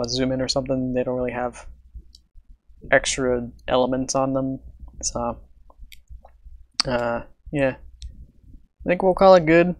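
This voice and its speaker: A man's voice: mid-range voice, no room sound. Tired, rambling man on a live stream. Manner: rambling, hesitant, many fillers and soft laughs. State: tired, slightly out of breath. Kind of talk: casual live stream chat while animating.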